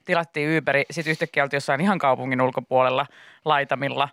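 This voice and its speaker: A woman's voice: very deep voice, no echo. A young woman hosting a morning radio show, chatting casually and telling a funny story with frequent laughs. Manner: animated storytelling, laughs often. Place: radio studio. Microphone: studio microphone.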